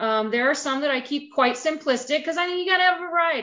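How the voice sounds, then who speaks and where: A woman speaks loudly and very fast with a western US accent. Her tone is animated and her intonation lively. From eastern Montana, US. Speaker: dance fitness instructor. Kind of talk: casual interview chat.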